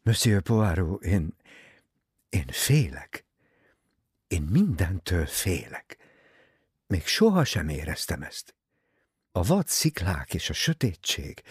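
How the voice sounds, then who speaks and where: A man reading an audiobook, voicing a frightened young rich bride with a raspy voice. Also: low-pitched, very animated, pauses often, no room sound, clean studio sound, heavily acted.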